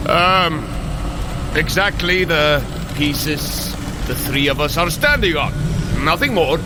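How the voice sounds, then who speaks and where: An actor playing a hearty, loyal warrior god and brother in an audio drama, with earnest, declamatory, formal speech. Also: male voice, fairly high pitch, animated, takes it slowly. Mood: earnest, steady. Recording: loud storm and vehicle-like noise behind.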